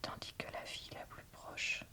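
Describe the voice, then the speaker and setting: A woman whispers softly, reading a novel aloud in a slow, deliberate ASMR style. She's a booktuber who reads the book and reviews it.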